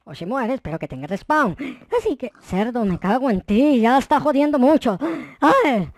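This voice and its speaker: A man voicing an excitable, mischievous, foul-mouthed young Minecraft noob, exclaiming and muttering to himself as he plays. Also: very high-pitched, moderate pace, no echo, clean studio sound. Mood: scheming. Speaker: gaming video host. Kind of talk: roleplay gameplay commentary.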